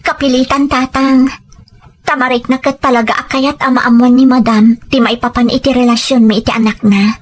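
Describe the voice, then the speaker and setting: A woman's voice: sits high, steady tone, brisk. A woman playing a humble, anxious young mother in a radio drama, speaking earnestly and deferentially. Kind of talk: Filipino radio drama acting.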